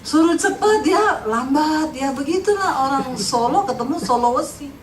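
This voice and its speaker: A middle-aged woman pastor from Sulawesi preaching with animated humor. She laughs often and teases her listeners, and her voice sits high. The sound is caught from a distance in an echoey church hall, with a faint hiss. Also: moderate pace. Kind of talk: lively humorous sermon.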